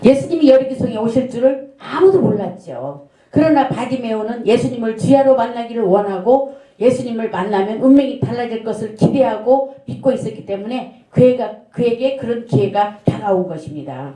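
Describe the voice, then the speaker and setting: A woman's voice: fairly high pitch, expressive, fairly quick, warm tone. A middle-aged woman pastor delivering an earnest sermon, telling a story and asking rhetorical questions. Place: church sanctuary. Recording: echoey church room.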